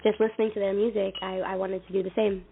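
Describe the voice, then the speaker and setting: A young woman singer with a youthful, baby-like voice, answering interview questions casually with soft fillers. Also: medium pitch, level tone, fast, vocal fry. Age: young adult. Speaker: singer guest. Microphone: phone. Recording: tinny phone line.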